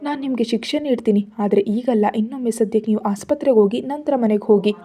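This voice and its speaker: A woman voicing a cold, expressionless young gangster who speaks in flat threats. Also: fairly high pitch, quick pace, slightly rough.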